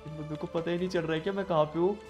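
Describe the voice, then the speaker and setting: A young Indian man with a slightly high voice commentates his own game in Hindi, his throat sore and cough-prone. He keeps his voice low to spare it but yelps when surprised. Game music and gunfire play loudly behind him. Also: steady tone, racing. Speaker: gaming YouTuber. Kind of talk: live gameplay commentary.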